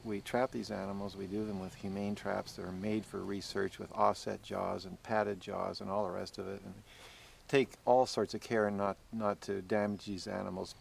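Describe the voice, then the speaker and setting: A man's voice: on the low side, little pitch movement, moderate pace, creaky, a little hiss or hum. A man who works as a wildlife researcher, talking earnestly and reflectively in a documentary interview.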